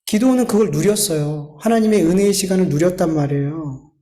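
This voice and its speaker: A man's voice: sits high, a little fast, dark tone. A man preaching a sermon as a pastor, earnest and pleading, often turning to address his congregation directly. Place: church sanctuary. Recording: echoey church hall.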